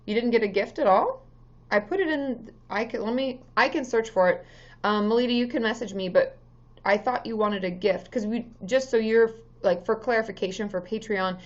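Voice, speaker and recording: A slightly hoarse woman in her thirties hosts a casual live stream, chatting freely and greeting her viewers one by one. Her pitch sits in a middling range. The stream audio is a bit muffled. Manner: chatty, greets viewers by name, many ums. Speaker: therapist hosting a live stream.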